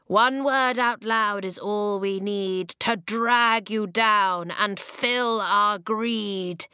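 A woman performs menacing storybook ghosts with gaping mouths. The rhyming chant is slow and drawn out, hungry and taunting, in a dry recording. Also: mid-range voice, sharp tone, smooth, dry recording.

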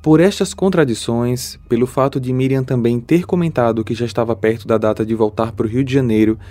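A man with a Brazilian Portuguese accent narrating a true crime case from a script, in a measured, even delivery. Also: mid-range voice, dry recording.

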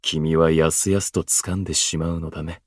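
Aloof theatrical observer, very low voice, florid pompous phrasing, voice drama, dry close sound. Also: male voice, flat delivery, husky, no room sound. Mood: intrigued, sincere. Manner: pompous, florid, unhurried speech. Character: theatrical, aloof male station worker, eloquent observer. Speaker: voice actor. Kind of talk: Japanese voice drama acting.

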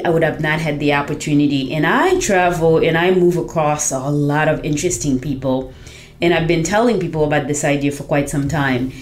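A woman podcast host from Haiti shares her story in a low, earnest voice. She talks reflectively, leaning on "you know" as she thinks. Soft music sits faintly behind her. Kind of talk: personal testimonial.

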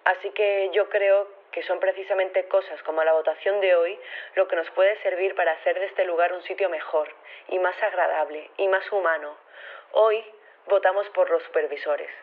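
Earnest campaigner phoning in to a radio drama: Castilian, hesitant, thin narrow-band line. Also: female voice, on the low side. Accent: Castilian Spanish. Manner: halting, earnest, unsure. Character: earnest, hesitant woman campaigner reporting by phone. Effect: phone line. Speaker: correspondent at a vote, by phone. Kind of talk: naturalistic audio drama phone report. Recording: tinny narrow phone line.

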